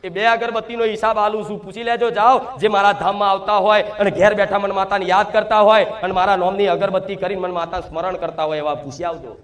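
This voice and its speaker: A man's voice: high voice, fairly even intonation, fast, hardly any pauses, fairly bright tone. A man. He speaks in the first person as a divine mother figure and addresses devotees directly. His delivery is emphatic and full of rhetorical questions. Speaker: spiritual medium speaking as the goddess to devotees. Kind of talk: devotional sermon.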